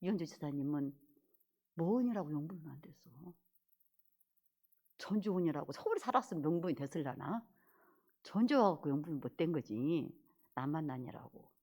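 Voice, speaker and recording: Woman pastor, lively swooping voice, scolding, loud then whispering. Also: low-pitched, normal speed, pauses often. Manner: animated and scolding, swinging between loud exclamations and whispered asides. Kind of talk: sermon.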